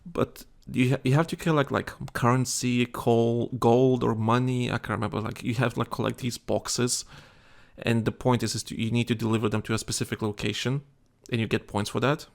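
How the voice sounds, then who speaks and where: A man's voice: medium pitch, fairly even intonation, a little fast, gravelly. A tired man co-hosting a casual gaming chat show, rambling with many restarts and fillers. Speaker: podcast co-host.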